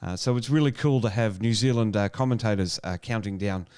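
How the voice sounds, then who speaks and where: A man hosting a science talk show, relaxed, with frequent fillers. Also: fairly low pitch, fairly quick, smooth. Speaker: show host. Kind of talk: casual science chat.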